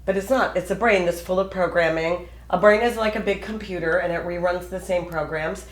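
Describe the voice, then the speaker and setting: A woman's voice: fairly low pitch, brisk, roomy sound. A middle-aged woman counselor explaining a self-talk exercise to a couple, emphatic and teacherly.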